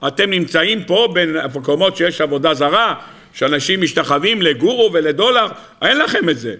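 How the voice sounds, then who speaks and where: A man, a rabbi, teaching a Torah lesson to an audience, firing rhetorical questions in a teasing, animated way. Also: on the high side.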